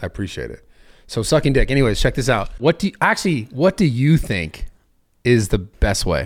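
A man with a medium-pitched voice and vocal fry swings his pitch very widely. The recording is very clean, with a silent background. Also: fairly quick pace. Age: 30s. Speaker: gym owner. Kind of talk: casual chat.

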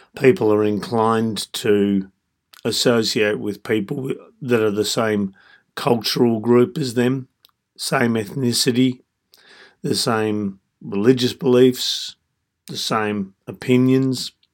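Speaking at a very slow pace, a man with an Australian accent shows ordinary pitch variation. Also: medium pitch for a man. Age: 50s. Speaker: podcast host. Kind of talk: monologue commentary.

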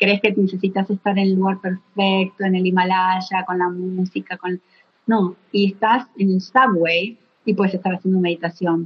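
A woman's somewhat breathy, medium-pitched voice in an Argentine accent, with monotone, flat intonation at a moderate pace. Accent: Argentine Spanish (Rioplatense). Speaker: acupuncturist and holistic coach. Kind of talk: interview conversation.

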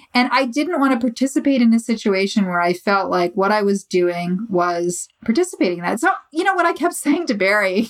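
A woman with an American accent speaks at a fairly high pitch and a fairly quick pace, with hardly any pauses. Her pitch swings very widely while her loudness stays very even. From New York, Long Island. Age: 50s. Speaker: writer and newspaper publisher. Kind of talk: casual interview.

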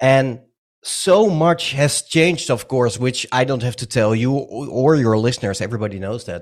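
On a very clean recording with a silent background, a man with a Dutch accent talks at a moderate pace with lively intonation. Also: medium pitch for a man. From Netherlands. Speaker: LinkedIn and sales consultant. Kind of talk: podcast interview.

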